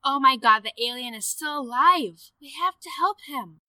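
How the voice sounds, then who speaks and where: A woman plays a soft-hearted young woman in an audio drama. Her voice is bright and a little high, emotional and stubbornly earnest, with a dry, close sound. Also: animated, moderate pace, dry recording, full character voice. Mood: alarmed.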